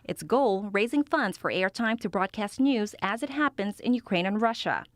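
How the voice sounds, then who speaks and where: A woman's voice: mid-range voice, expressive, moderate pace, no echo, clean studio sound. A woman reading a scripted news report as a reporter.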